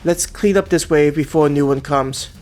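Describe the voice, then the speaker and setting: A man voicing a calm young male fighter who talks in a steady, even way. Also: fairly high pitch, moderate pace, natural voice. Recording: music playing underneath.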